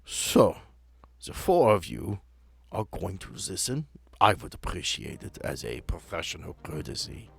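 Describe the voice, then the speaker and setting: A man voicing a menacing mad doctor in a tabletop game, speaking in a measured, formally courteous way. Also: deep voice, wildly swooping pitch, creaky, a bit bright, husky, exaggerated voice. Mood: coldly insistent. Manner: measured, courteous yet threatening.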